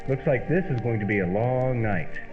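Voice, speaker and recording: A man playing an emphatic, declamatory amateur sleuth and pitchman in an old-time radio comedy. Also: animated, moderate pace, phone-quality sound, soft background music, lightly acted. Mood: sales-pitch polish.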